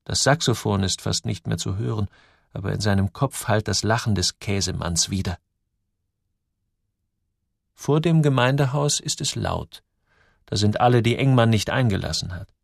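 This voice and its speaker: A man reading a story aloud in scripted narration, with lively, dramatic ups and downs. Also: on the low side, normal speed, vocal fry, pauses often, no room sound, studio quality. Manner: lively, dramatic storytelling with sudden drops and rises. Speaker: audiobook narrator.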